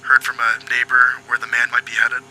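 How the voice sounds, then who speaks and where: A man playing a foul-mouthed but apologetic police agent in an audio drama, questioning politely and haltingly. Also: mid-range voice, monotone, bright, forceful tone, a little hiss or hum, low-quality recording. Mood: probing, determined. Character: foul-mouthed, apologetic male detective agent hunting a killer.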